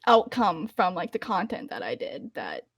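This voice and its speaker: A woman's voice: wildly swooping pitch, normal speed, gravelly, breathy edge, no room sound, studio quality. A young woman voice actor answering interview questions casually, with many fillers and restarts. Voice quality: higher-pitched voice. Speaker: voice actor guest.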